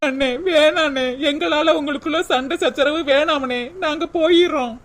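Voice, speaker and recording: A humble young sister in a cartoon family drama, voiced by a woman. She pleads through tears in a very high, soft voice. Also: fairly even intonation, moderate pace, lightly acted. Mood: tearful pleading. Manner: pleading, tearful.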